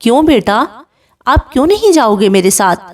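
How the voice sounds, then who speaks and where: A soft, coaxing young father from an audiobook story, read by a woman. His voice sits fairly high and stays gentle and tender with his small children. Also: very animated.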